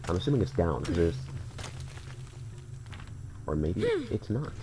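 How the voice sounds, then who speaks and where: A man's voice: low-pitched, wildly swooping pitch, measured pace, noisy background. A man with a slightly congested voice, joking and rambling to his viewers as he plays through a game. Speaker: gaming channel host. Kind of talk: casual let's-play commentary.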